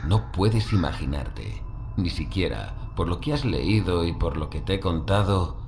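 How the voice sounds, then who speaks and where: Composed male occultist, played by an actor, low register, formal and superior, horror audio drama with clear background noise. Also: a little slow, heavily acted. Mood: calm, condescending. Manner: calm, formal, unperturbed.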